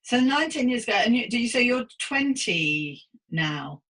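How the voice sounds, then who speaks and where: A woman's voice: a little high, sing-song, moderate pace, a bit bright. Woman around 60, podcast host. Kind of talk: scripted intro and chatty interview hosting.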